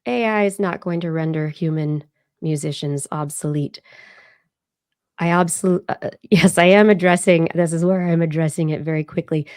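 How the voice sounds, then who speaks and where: A woman co-hosting a podcast, hoarse, chatting in a rambling, casual way with soft asides. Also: sits low, moderate pace, dry recording, clean studio sound. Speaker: podcast co-host. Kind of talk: casual chat.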